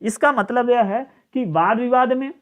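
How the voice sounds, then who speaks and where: A man teaching an exam-prep lecture, chanting verses slowly and often repeating and restarting phrases. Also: extremely high pitch. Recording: tinny phone-like sound.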